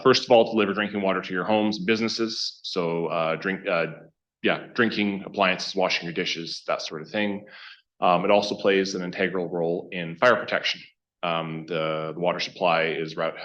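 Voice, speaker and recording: A man giving an informal presentation to a council as a consultant, speaking in a halting, conversational way and often restarting his sentences. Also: sits low, fairly bright tone. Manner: halting, conversational, self-interrupting. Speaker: consultant project lead presenting. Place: council meeting room. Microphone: meeting microphone. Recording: dull, band-limited meeting room microphone.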